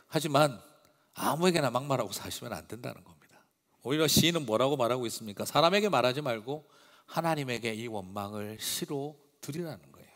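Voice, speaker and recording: A male pastor preaching a sermon in a church, emphatic and expressive, swinging between loud and hushed. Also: fairly high pitch. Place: church sanctuary. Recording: long reverb of a large hall.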